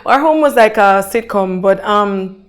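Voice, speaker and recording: Woman, interview guest, mid pitch, earnest storyteller. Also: lively intonation, a little slow. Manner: earnest, storytelling, talks of faith. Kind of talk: conversational interview.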